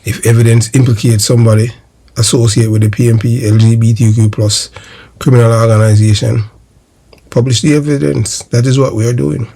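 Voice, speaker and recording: Speaking in a dark, creaky, mid-range voice with flat delivery and a slightly fast pace, a Jamaican host of a political history channel declaims emphatic political commentary to his audience. He repeats phrases to drive his points home.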